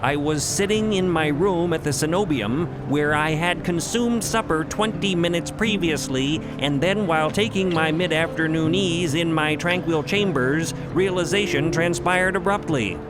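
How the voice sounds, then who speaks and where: A man's voice: fairly high pitch, music in the background, natural voice. A man playing a solemn, veiled religious mentor in an audio drama, speaking in formal, ornate phrases. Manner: formal, ornate, measured wording. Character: solemn veiled horned male religious mentor, Mother Artifice.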